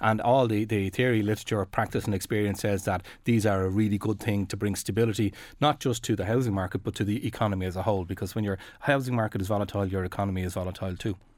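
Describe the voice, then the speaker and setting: A man with an Irish accent talks at a very fast pace, his fairly low pitch held in fairly even intonation. The recording is very clean, with a silent background. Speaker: housing economics lecturer. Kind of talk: radio interview. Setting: radio studio.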